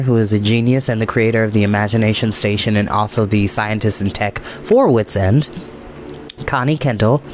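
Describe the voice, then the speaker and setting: A man's voice: mid-range voice, slight background noise. A man hosting a storytime, moving between casual, rambling chat and reading a story aloud. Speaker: host and storybook reader.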